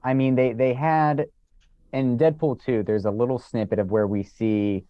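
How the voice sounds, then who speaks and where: A man's voice: mid-range voice, steady tone, moderate pace, dry recording. A man co-hosting a casual podcast over a video call from his basement, talking with hesitant restarts. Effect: video call audio. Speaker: podcast co-host. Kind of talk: casual chat. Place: home basement. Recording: dull lo-fi dry video call.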